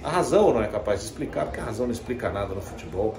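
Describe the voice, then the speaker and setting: A man's voice: on the low side, animated, very fast. A man with a Brazilian accent giving a casual, conversational and emphatic post-match recap as a football commentator, recorded in a stadium. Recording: echoey stadium with crowd behind.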